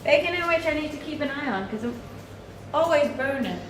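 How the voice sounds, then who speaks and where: A woman's voice: sits high, expressive, fairly quick, reverberant, slight background noise. A Danish woman with a Danish accent, chatting casually with her livestream viewers while she cooks, laughing often. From Denmark. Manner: chatty, laughs often, reads chat aloud. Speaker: live streamer. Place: home kitchen.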